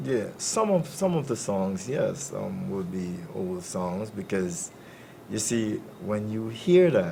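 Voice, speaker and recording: A man with a Guyanese accent at a very slow pace, fairly low in pitch and swinging very widely in pitch, with audible room echo. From Guyana. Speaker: a cappella group singer. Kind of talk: TV interview.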